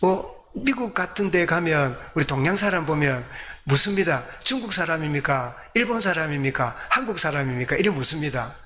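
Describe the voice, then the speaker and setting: With slight noise in the background, a South Korean pastor preaches to his church, firing rhetorical questions at the congregation and supplying the answers. His voice is on the high side, expressive and brisk, pushed hard and bright.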